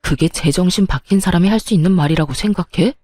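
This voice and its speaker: A woman voicing an exasperated young husband who shouts at his mother in a story drama. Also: medium pitch, lively intonation, moderate pace, lightly acted. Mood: angry.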